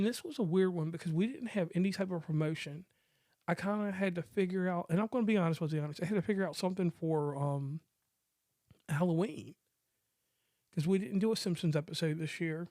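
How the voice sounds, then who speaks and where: Higher-pitched American man, casual podcast host. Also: expressive, a little fast, warm tone, dry recording, clean studio sound. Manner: rambling, joking, informal slang. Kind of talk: casual movie review chat.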